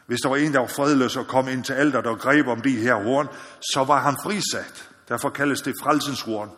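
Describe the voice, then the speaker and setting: A man from the Faroe Islands preaching a sermon in an earnest, searching way, often checking in with his listeners and building up to loud calls. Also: mid-range voice, fairly even intonation. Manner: earnest, repeats "ikke også?", rises to loud exhortation. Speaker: missionary preacher. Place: church or meeting hall. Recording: long hall reverb.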